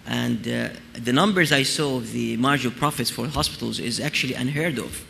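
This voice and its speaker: A man's voice: mid-range voice, a little fast, pushed and bright. A man giving an earnest, articulate, unscripted answer as a panelist at a conference. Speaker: conference panelist, healthcare executive. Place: large conference hall. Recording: very echoey hall, clear background noise.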